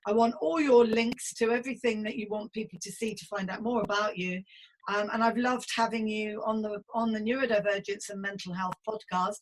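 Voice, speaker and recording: A woman's voice: medium pitch, steady tone, fairly quick, rough recording. A woman in her fifties hosting a casual conversational podcast interview in an effusive, chatty, playful way. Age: 50s. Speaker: podcast host.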